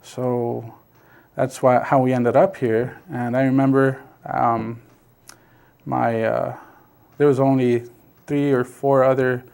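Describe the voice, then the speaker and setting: A man's voice: medium pitch, flat delivery, takes it slowly, gravelly, a little mellow, clear, resonant tone. A middle-aged man from South Texas whose first language is Basque, telling his family story as an interview guest, with many fillers and restarts. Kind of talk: casual storytelling.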